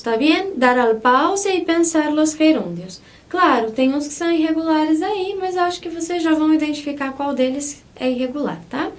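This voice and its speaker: A woman with a high voice gives an online Spanish lesson. She explains patiently and in small steps, and keeps checking that her students follow along. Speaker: Spanish teacher.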